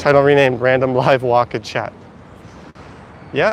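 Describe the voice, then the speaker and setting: Someone with a Canadian accent speaks over noticeable background noise. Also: man. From Ontario, Canada. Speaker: walking tour live streamer. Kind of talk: live stream chat while walking. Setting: outdoors, walking downtown city.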